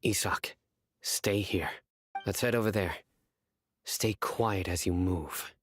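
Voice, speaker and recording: A man's voice: takes it slowly, fairly bright tone, slight background noise. A man voicing a stern, intimidating, curt desert warrior in a video game. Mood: wary, hushed. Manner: curt, low-key, commanding.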